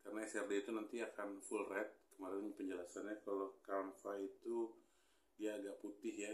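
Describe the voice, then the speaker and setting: His voice low and darkish, echoing around a small room with a pink wall, a hobby vlogger in his thirties chats casually while unboxing. He thinks aloud to camera, leaning on fillers and grumbling mildly.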